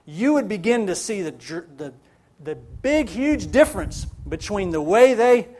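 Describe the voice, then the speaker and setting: High-voiced, slow-preaching male pastor. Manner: preaching with rising emphasis, repeats phrases for stress. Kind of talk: sermon.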